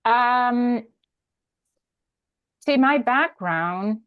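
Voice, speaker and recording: A woman from New York City chatting casually with her coach, telling her background in a relaxed way. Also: fairly high pitch, drawn-out words, clear, resonant tone, narrow, tinny audio. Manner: relaxed storytelling, laughs lightly. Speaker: coaching client. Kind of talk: casual chat. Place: video call.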